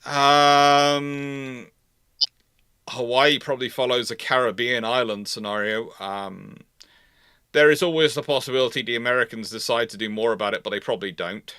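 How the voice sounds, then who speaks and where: Bright-voiced, emphatic man hosting history talk. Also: mid-range voice, normal speed, smooth, no room sound. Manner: emphatic, repeats phrases, rephrases mid-sentence. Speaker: host. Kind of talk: live question-and-answer talk on naval history.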